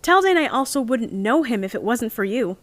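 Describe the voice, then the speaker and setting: A woman's voice: a little high, big pitch swings, moderate pace, dry recording. A woman playing an earnest, lovestruck young member of a heist crew in an audio drama, speaking in a heartfelt, confessional way. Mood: affectionate. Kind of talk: audio drama monologue and dialogue.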